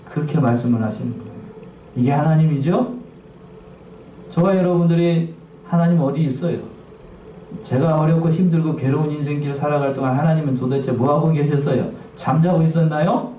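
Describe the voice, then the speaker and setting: A fairly quick, mellow-voiced pastor, pitched on the high side, preaches in a church sanctuary and regularly asks his congregation questions while repeating important phrases. Faint noise and a roomy, distant quality mark the recording.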